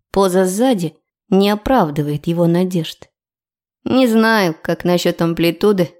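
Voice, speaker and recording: A young woman narrating a first-person audiobook in a lively, ironic way. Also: on the low side.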